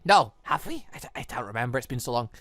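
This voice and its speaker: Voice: mid-range voice, very animated, fast talker, fairly bright tone, no echo. A gaming channel host giving chatty let's play commentary on a visual novel, full of exclamations and reactions. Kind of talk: let's play commentary with voiced dialogue reading.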